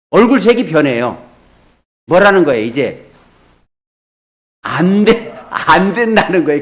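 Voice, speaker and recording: With very wide pitch swings, a man speaks in a high pitch at a fairly slow pace, and audible room echo surrounds him. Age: 60s. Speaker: church elder preaching. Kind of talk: sermon.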